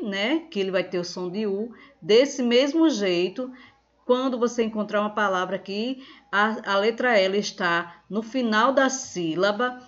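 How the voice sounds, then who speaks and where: A Brazilian woman teaches young children in a slow, patient voice, checking often that they follow. Her voice sits in a middle range. The home recording is dull and lo-fi. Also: medium pitch. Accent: Brazilian Portuguese. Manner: slow, patient, repeats each step with "certo?". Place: at home, phone nearby.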